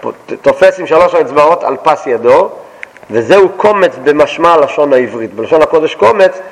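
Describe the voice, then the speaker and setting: A man's voice: a little high, animated, long reverb tail, low-quality recording. A man teaching a text study lesson, quoting each verse and then explaining it in plain everyday words, often asking and answering his own questions. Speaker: Torah teacher.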